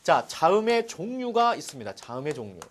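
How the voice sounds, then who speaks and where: A man's voice: fairly high pitch, fairly quick, slight background noise. A middle-aged man teaching a Korean language lesson, explaining step by step and checking in with his students as he goes. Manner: lively explaining, frequent "자" and rhetorical checks. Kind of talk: classroom lecture.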